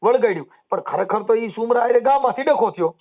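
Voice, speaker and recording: A man explains old verses and history at length, now and then chanting couplets in a slow, drawn-out way. His voice sits high for a man. The sound is thin and tinny, like a recorded phone call. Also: lively intonation. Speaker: social media personality taking calls.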